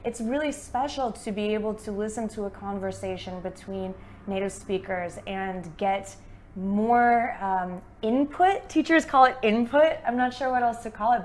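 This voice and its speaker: A woman's voice: mid-range voice, a little mellow, slight background noise. A young American woman, an English teacher, chatting upbeat and casually in a conversation lesson. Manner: upbeat, chatty, many fillers.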